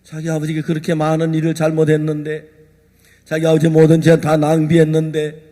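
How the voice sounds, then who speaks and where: In a large church hall where long reverb follows every phrase, a male pastor with a high voice for a man tells an emotional story-sermon, swinging from hushed asides to loud outbursts. Despite this, his delivery is completely flat and brisk.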